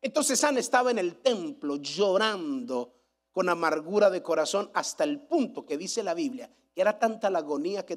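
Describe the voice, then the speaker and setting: A male pastor preaching a sermon, emphatic and repetitive, asking his congregation rhetorical questions. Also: on the high side. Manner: emphatic preaching, repeats phrases for weight.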